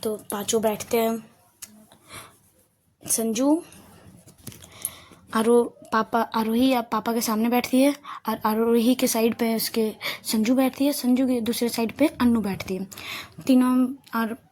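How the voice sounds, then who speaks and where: A woman's voice: a little high, steady tone, measured pace, long pauses, darkish tone. A woman casually telling a love story aloud, rambling and often correcting herself.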